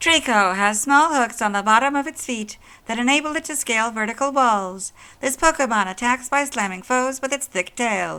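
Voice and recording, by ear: A put-on robotic character voice speaks at a moderate pace. The recording is very clean, with a silent background. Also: man, extremely high pitch for a man.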